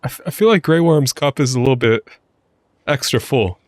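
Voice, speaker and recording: A man's voice: medium pitch, a little fast, dry recording. A man hosting a reaction video, making casual joking asides and laughing often.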